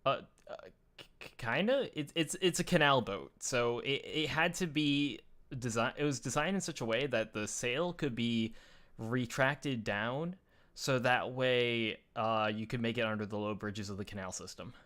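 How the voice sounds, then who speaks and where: A bright, clear-toned man chats on a live stream. He rambles and restarts, scattering uhs as he talks through pictures, casual and loose. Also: mid-range voice, normal speed. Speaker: show host sharing his picture folder.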